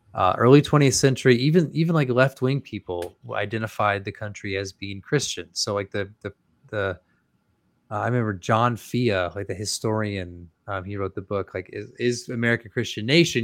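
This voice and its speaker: This man talks at a fairly quick pace with a medium pitch. His pitch varies in an ordinary way. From California. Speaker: author. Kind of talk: live interview.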